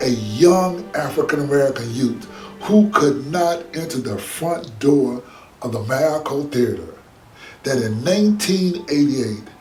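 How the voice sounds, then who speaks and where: A man with lively intonation at a fairly slow pace, music in the background and audible room echo. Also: fairly high pitch for a man. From US South, Memphis, Tennessee. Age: 60s. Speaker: martial arts champion and film producer. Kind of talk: video essay monologue.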